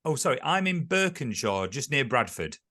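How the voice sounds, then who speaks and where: A man's voice: mid-range voice, sing-song, normal speed, bright, forceful tone. A man hosting an interview, enthusiastic and full of praise, with many hesitant fillers. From Lancashire, England. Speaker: host. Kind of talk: casual interview chat.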